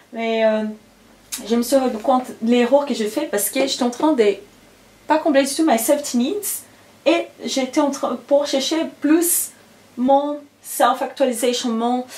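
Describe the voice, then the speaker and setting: There is noticeable background noise as a high-pitched woman speaks fairly slowly. She takes long, frequent pauses. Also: ordinary pitch variation. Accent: non-native. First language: not French (speaking French). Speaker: lifestyle vlogger. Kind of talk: motivational vlog monologue. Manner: hesitant, many fillers.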